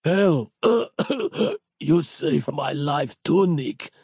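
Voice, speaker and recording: Man putting on a croaking, gasping severed cop head. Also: on the high side, animated, slow, dark tone, no room sound, studio quality, voice pushed up. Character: dying severed head of a gruff male cop.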